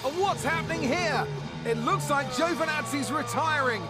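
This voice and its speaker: A man commentating a race in excited play-by-play, shouting at the action. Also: extremely high pitch, normal speed, over loud music.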